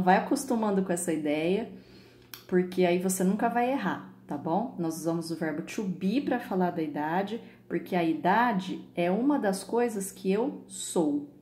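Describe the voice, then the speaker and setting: Brazilian woman teacher, mellow and patient. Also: fairly low pitch. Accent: Brazilian Portuguese. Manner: patient, repeats "tá?" and "tá bom?" to check in. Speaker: English teacher. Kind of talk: recorded online class. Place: home with computer. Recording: echoey room, faint background noise.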